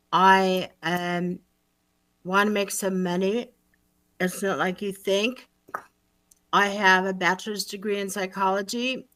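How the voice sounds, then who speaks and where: A woman's voice: mid-range voice, a bit bright, no room sound, lightly acted. A woman improvising an earnest group facilitator on a reality show who is blunt and insistent about making money. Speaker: improv performer. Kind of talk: improvised comedy scene.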